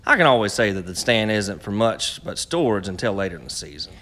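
An actor playing a wary, stubborn, protective riverside stand keeper in a period radio drama, with a terse, dry, folksy manner. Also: male voice, fairly low pitch, sing-song, a little fast, pushed and bright.

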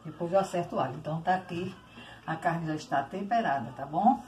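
A woman's voice: fairly low pitch, brisk, a little mellow. An older Brazilian woman in her sixties chattily demonstrating home cooking, often addressing her viewers directly. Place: home kitchen, indoors. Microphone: phone on tripod, short distance. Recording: noisy kitchen with clattering dishes.

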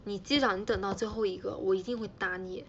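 A woman's voice: mid-range voice, steady tone, quick pace, dull audio, slight background noise. A young woman hosting a casual livestream, teasing her fans playfully and repeating herself as she chats. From China. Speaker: idol livestream host.

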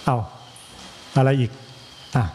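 A monk with an Isan accent giving an evening sermon, slow and measured, with pauses and repetition and a joke now and then for the listeners. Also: male voice, dark tone, slight background noise. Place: temple hall.

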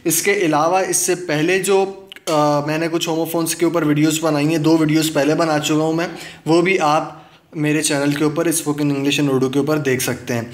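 Male online English tutor with a high voice, who reads definitions slowly and checks in with listeners often. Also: little pitch movement. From Pakistan. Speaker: English teacher. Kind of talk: video lesson explaining English words in Urdu.

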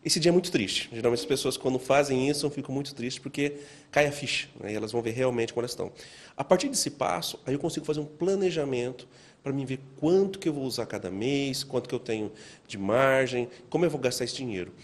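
A Brazilian man in his forties gives explanatory interview answers. He talks quickly in a mid-pitched voice. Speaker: financial expert interviewee. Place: indoor office. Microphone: handheld interview microphone.

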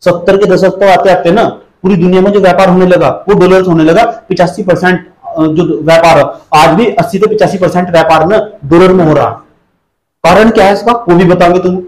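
A man with a high voice teaches an exam-prep class in an echoey room. He drills each point over and over, fires questions at his students and scolds them when they don't follow. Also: fairly even intonation, a little fast, darkish tone.

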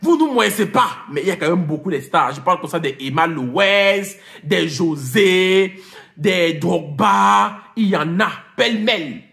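A man's voice: high-pitched, animated, unhurried, gravelly, a bit bright. A man ranting and teasing his viewers in a comic vlog, repeating names, slipping into English and laughing as he talks. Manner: laughs while talking. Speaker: vlogger. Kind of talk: comic rant to camera.

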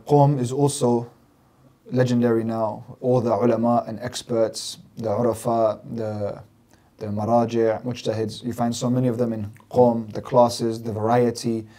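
An emphatic podcast guest, this religious scholar from London is a man in his thirties with a warm, dark tone. His medium-pitched voice stays level at a moderate pace as he explains things earnestly, repeating phrases in lists. He is recorded on a desk mic on a stand in a small studio set with plants.

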